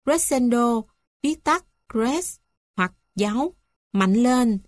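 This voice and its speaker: A woman reads a music theory textbook aloud, taking each item slowly and deliberately. Her voice sits a little high. The recording is dry, with no room sound. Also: lively intonation, dry recording. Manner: slow, measured, list-like reading. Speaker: textbook reader.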